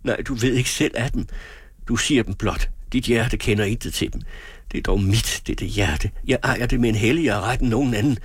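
A man's voice: mid-range voice, slight background noise, pitched above the performer's own voice, close to an everyday voice. A man voicing a man desperately in love, pleading and beseeching in an audiobook. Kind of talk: audiobook character voice.

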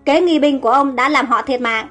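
A woman's voice: sits high, fairly quick, fairly bright tone, faint music behind. A compassionate young queen, read by a woman. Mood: distressed. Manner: pleading and distressed.

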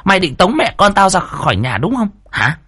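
A man voicing a spiteful young woman with a shrill, sharp-tongued voice, scolding and accusing in a spoken horror story. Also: very animated, a little fast, breathy edge, full character voice. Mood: vicious scolding. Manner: screeching, bullying, accusing.

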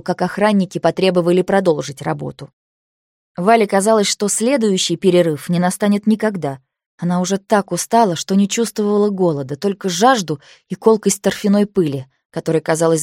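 Low-voiced woman narrating an audiobook. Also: dark tone, no room sound, studio quality. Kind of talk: scripted narration.

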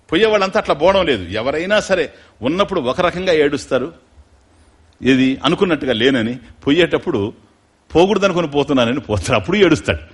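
A man giving a spiritual discourse, mixing explanation with slow, musical chanting of verses. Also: fairly high pitch, slightly rough. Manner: animated, chants Sanskrit verses slowly and musically. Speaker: spiritual lecturer. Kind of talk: devotional discourse.

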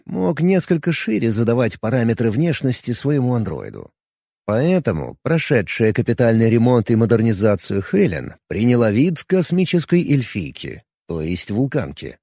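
A man narrating an audiobook in an expressive storytelling manner. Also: mid-range voice, husky, no room sound, studio quality. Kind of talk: scripted narration.

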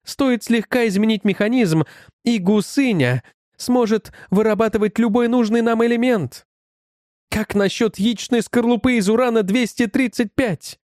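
A man voicing an excited male scientist who urges his colleagues on, in an insistent, exclaiming voice. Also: extremely high pitch, normal speed, no echo, studio quality, voice pushed up.

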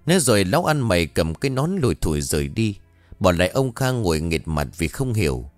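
A man narrating a scripted horror story in a dramatic, expressive storytelling manner. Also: sits low, brisk, no room sound. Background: faint music.

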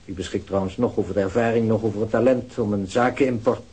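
An actor in a radio play playing a cool, evasive male company executive who answers police questions curtly and condescendingly, with a husky voice. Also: on the low side, steady tone, fast, a little mellow. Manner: curt, guarded, condescending. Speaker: business executive. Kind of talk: Dutch radio play acting.

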